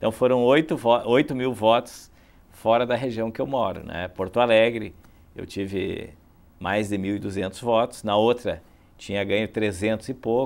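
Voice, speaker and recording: A man talks with an ordinary speaking voice at medium pitch. His pace is moderate and his pitch variation ordinary. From Rio Grande do Sul, northwest (São Luiz Gonzaga); Rio Grande do Sul, Brazil. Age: 40s. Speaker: state legislator; interviewee. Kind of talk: TV interview. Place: studio. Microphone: lapel.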